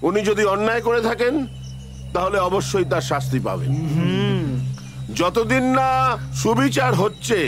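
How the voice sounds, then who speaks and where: Stern high-pitched village leader. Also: male voice, lively intonation, a little slow, pauses often, slight background noise. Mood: stern, resolute. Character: stern, proud village authority figure, adult man. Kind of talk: formal public address in film drama.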